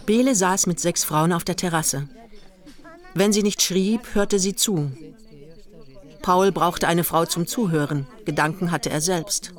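An actress playing a detached, ironic narrator in a radio play, telling the story in measured, dry literary prose. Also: female voice, lowish voice, close to an everyday voice.

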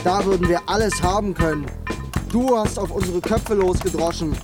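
A man's voice: high voice, moderate pace, over music, natural voice. An actor playing a scornful, accusing man in an angry crowd, in stage-style radio drama. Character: scornful male mob agitator, hostile and accusing.

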